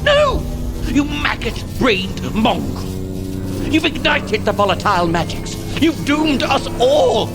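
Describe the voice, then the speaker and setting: Sneering hunt lord, highish voice, swooping delivery, archaic threats, fantasy drama, music behind. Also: male voice, wildly swooping pitch, slow, exaggerated voice. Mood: enraged. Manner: haughty, menacing, theatrical archaic speech. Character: sneering villainous dark lord of the hunt, cruel. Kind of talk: fantasy audio drama acting.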